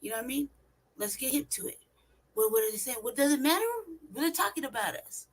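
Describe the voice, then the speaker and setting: Quick and expressive, her high voice carries a casual vlog monologue. The California woman swears a lot, speaks emphatically and keeps asking rhetorical questions.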